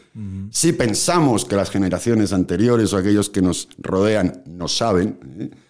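With ordinary pitch variation, an ordinary speaking voice talks at a moderate pace. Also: man, fairly low pitch for a man. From Spain, Madrid. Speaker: business consultant. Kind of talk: interview.

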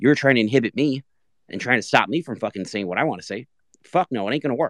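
A man with a medium pitch talks at a very fast pace in an animated tone, his intonation lively. The sound is dry and close with no echo, and the background is quiet. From Colombia. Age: 30s. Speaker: tech enthusiast. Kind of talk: heated rant.

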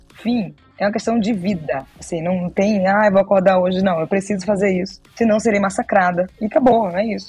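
A woman speaks at medium pitch with a dark, mellow tone and a somewhat breathy quality. Her pace is moderate and her intonation fairly even. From Salvador, Bahia, Brazil. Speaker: entrepreneur. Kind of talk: interview.

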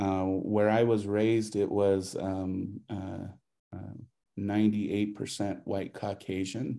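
A man with a fairly low pitch and a dark, mellow tone speaks at a very slow pace in a monotone, flat intonation. The recording is very clean, with a silent background. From US Mountain West. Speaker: college professor. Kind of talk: lecture. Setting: evening class with slides. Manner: hesitant, filler-heavy.

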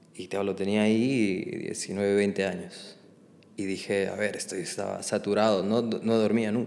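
Recorded with audible room echo, a man talks at a fairly slow pace in a fairly low pitch. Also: ordinary pitch variation. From Ecuador, Loja; moved to Madrid at 14. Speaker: tattoo artist. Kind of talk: interview.

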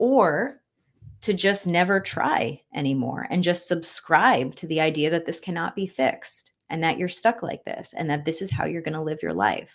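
A normal speaking voice moves at a moderate pace. Its intonation is lively. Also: woman, fairly low pitch for a woman. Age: 30s. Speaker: podcast host and binge eating coach. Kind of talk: motivational talk to audience. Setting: livestream with viewers commenting.

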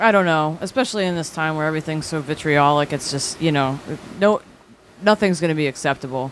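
Speaking very fast in a Philadelphia accent, a woman has a very deep, low pitch with ordinary pitch variation. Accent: Philadelphia American. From Philadelphia, North Philly. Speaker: comedian. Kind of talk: casual chat. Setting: home attic recording.

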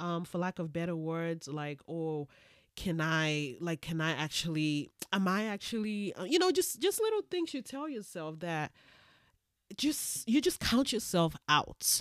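In an American accent, a woman talks at a fairly slow pace and a fairly low pitch with lively intonation. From Nigeria. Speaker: podcast host. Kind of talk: personal monologue. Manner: casual, with frequent fillers and false starts.

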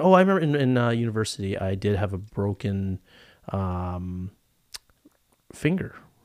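Here is a man with a plain, everyday voice and lively intonation. He talks at a moderate pace on a very clean recording with a silent background. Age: 40s. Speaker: volleyball podcast host, former pro player. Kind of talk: casual chat.

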